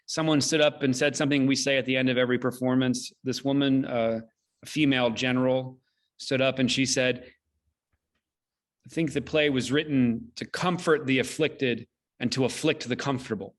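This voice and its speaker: Solemn man hosting, medium-pitched voice. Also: steady tone. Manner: measured, solemn, rhetorical repetition. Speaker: host, theater company director. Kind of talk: closing remarks at an online event. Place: indoors, online video call.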